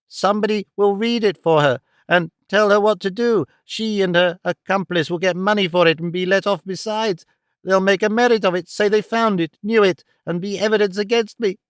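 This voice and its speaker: A shrieking, panicky old miser of a moneylender, put on by a male reader of a storybook. His voice sits high and thin above a smooth, clear tone, recorded close and dry. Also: a bit bright, no echo. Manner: shrieking, wailing.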